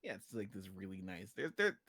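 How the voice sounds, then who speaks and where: A man's voice: sits low, very animated, fairly quick, pushed and bright, husky, dry recording. A man chatting casually on a livestream as a guest writer and artist. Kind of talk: casual collaborative livestream chat.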